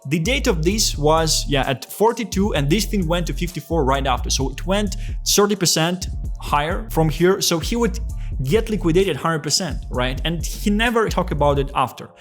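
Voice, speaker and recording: A man's voice: on the high side, lively intonation, moderate pace. Blunt, profane man with light music. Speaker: crypto commentator. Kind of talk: casual commentary video.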